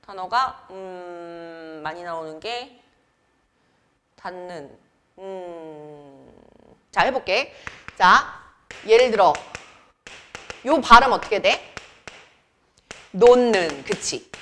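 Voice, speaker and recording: A young woman teaching a grammar lesson to students in a chatty way, quizzing them with quick questions. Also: lowish voice, lively intonation, a bit bright, clear, resonant tone. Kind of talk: classroom lecture.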